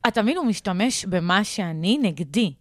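A woman's voice: medium pitch, expressive, dry recording, clean studio sound. A young woman telling a dating story in casual chat, acting out the quotes and laughing often.

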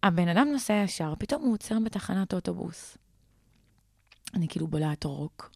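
Young woman, animated storyteller, casual chat, dry recording. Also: fairly low pitch, vocal fry, dry recording. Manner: animated storyteller, acts out quotes, laughs often.

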